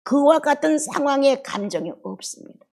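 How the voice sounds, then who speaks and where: A middle-aged woman preaching a sermon with deep feeling, her voice jumping from loud outbursts down to hushed murmurs. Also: animated, normal speed, creaky. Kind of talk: expository sermon.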